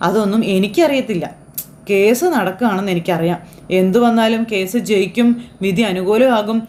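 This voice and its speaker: A woman voicing a calm, reassuring foster mother in quoted serial dialogue. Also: mid-range voice, moderate pace, a little hiss or hum, lightly acted. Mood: matter-of-fact.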